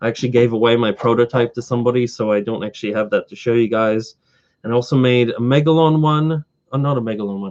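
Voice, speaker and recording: A man with an Australian accent talks at a very fast pace. His pitch is medium and his intonation fairly even. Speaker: toy and monster movie reviewer. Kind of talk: live stream chat. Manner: halting, many fillers and restarts.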